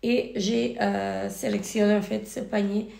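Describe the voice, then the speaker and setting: A woman with a cold and a hoarse voice, hesitantly reviewing finished beauty products in a casual vlog. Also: medium pitch, steady tone, a little slow, warm tone. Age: married adult. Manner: hesitant, many fillers and restarts. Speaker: beauty vlogger. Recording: echoey room.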